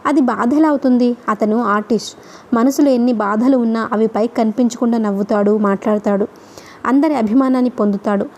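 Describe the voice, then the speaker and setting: A woman voicing a thoughtful young woman student who speaks in a steady, reflective way. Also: a little high, a little fast, natural voice. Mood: calm, reflective.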